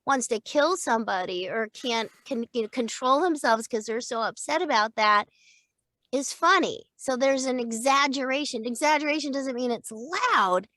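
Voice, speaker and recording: A chatty middle-aged woman with a fairly high voice talks about coaching actors, lively and quick to laugh. The sound is close and dry, with no room behind it. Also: no echo. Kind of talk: casual interview chat.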